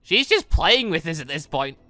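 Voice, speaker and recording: Gaming host for a visual novel playthrough: bright, animated delivery, stumbles over lines, music underneath. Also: medium pitch, normal speed, no echo. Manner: stumbles while reading, repeats and corrects lines. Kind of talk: visual novel playthrough, reading dialogue aloud with asides.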